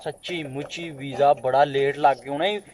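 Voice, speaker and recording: A man's voice: mid-range voice, fairly even intonation, moderate pace, a crowd in the background, natural voice. A man with a Pakistani Punjabi accent playing a stubborn village man in an amateur drama, pleading and repeating himself.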